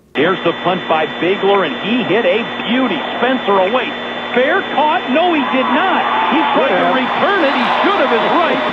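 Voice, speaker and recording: A man at a moderate pace, dry with no echo, under loud background noise. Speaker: radio play-by-play football announcer. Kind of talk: live sports radio play-by-play call. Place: booth.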